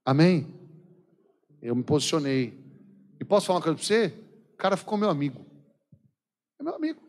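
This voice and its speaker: A man's voice: fairly high pitch, very animated, fairly quick, darkish tone. A man from São Paulo state with a Brazilian accent, preaching a sermon as a missionary, telling jokey stories and acting out the dialogue. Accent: Brazilian Portuguese, São Paulo. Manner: jokey storytelling, acts out quoted dialogue, laughs often. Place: large church hall. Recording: long church hall reverb.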